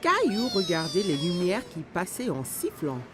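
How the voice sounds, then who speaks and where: A woman's voice: fairly low pitch, huge pitch swings, a little slow, over music. A woman reading scripted children's story narration as the storyteller of a cartoon.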